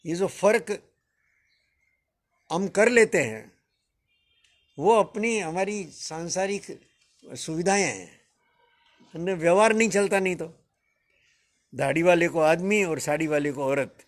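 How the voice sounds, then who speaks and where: An older man in his seventies speaks as a spiritual teacher, his voice sitting somewhat high for a man. He muses slowly through a reflective discourse, calls his listeners friends and lets a soft chuckle slip in now and then. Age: 70s.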